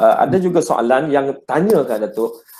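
A man's voice with lively intonation. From Malaysia. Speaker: webinar moderator. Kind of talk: formal interview. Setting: video call. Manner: formal. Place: office. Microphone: earbuds.

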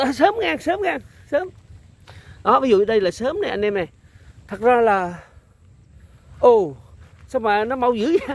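A man's extremely high pitch with very wide pitch swings, a moderate pace, long, frequent pauses, and a dry sound with no echo. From Central Vietnam. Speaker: flower grower and seed seller; seed seller. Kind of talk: casual vlog walkthrough. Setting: outdoors in rain. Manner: halting, repeats words. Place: garden. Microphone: phone near.

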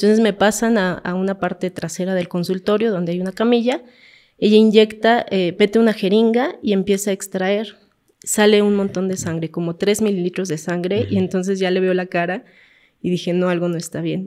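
A woman with a dark, mellow tone talks at a fairly quick pace and fairly even intonation against a quiet background. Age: 30s. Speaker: breast cancer survivor. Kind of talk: testimony. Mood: emotional personal storytelling. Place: studio. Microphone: studio mic.

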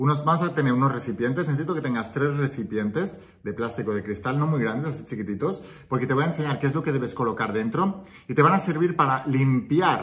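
Intonation is lively as a man talks. His pace is very fast. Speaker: self-help teacher. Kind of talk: motivational talk to camera. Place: home room. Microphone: phone near.

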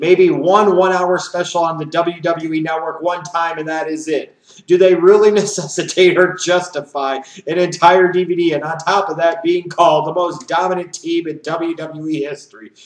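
A loud man talks at a moderate pace in monotone, flat intonation, with audible room echo. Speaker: wrestling commentator YouTuber. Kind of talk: angry rant about wrestling news, sarcastic and indignant. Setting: home video recording for YouTube. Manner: loud, indignant, exasperated, emphatic repetition; sarcastic, incredulous. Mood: annoyed, incredulous. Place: home room.

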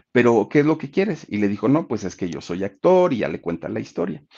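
Against a quiet background, a man with vocal fry makes very wide pitch swings. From Mexico. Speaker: YouTube storyteller host. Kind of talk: storytelling live stream with chat readouts. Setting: live stream. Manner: conversational, repetitive. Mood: lively, expressive storytelling. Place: home room.

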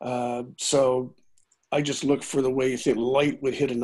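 A man speaks with a Canadian accent against a quiet background. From Hamilton, Ontario; Ontario. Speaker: landscape painter. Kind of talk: casual chat. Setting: video call. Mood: relaxed, reflective. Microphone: video call.

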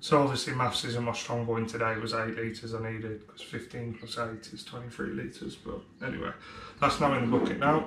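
A man talks at a fairly quick pace and a medium pitch. Noticeable background noise sits behind him. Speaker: homebrewer. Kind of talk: casual talk to camera.

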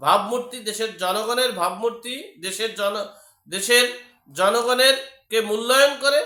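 A man uses a raised, projected voice at an extremely high pitch, with ordinary pitch variation. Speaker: political commentator on a news channel. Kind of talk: political commentary monologue. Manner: halting, with many pauses.

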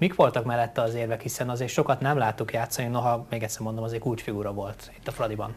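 Speaking at a very fast pace with hardly any pauses, a man keeps his intonation fairly even. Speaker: sports show host. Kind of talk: sports talk show. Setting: studio. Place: studio. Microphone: lapel.

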